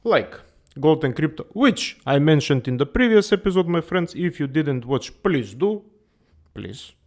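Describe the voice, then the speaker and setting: A man's voice: fairly high pitch, big pitch swings, unhurried. A man hosting a comedic finance show, playful and exaggerated, repeating "my friends" again and again. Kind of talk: comedic character monologue.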